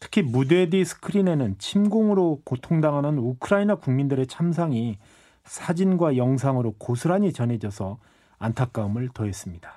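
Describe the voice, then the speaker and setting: In a very clean recording with a silent background, a man with a fairly high, dark, mellow voice speaks at a moderate pace with very wide pitch swings. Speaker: commentator on weekly news keyword. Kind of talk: radio commentary segment. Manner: formal.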